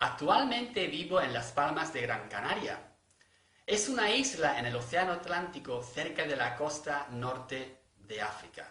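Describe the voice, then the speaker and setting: A man's fairly high voice with lively intonation, plus noticeable background noise and audible room echo. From southern Spain, Cadiz, Andalusia. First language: Spanish. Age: 50s. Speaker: language teacher. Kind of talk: tutorial. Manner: slow.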